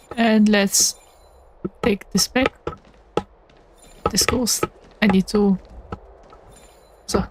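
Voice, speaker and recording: A woman speaks very slowly with long, frequent pauses in a monotone, flat voice at very even loudness, the sound dry and close with no echo, though noticeable background noise is present. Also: medium pitch for a woman. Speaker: VTuber game streamer. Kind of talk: casual game livestream commentary. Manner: halting, many fillers.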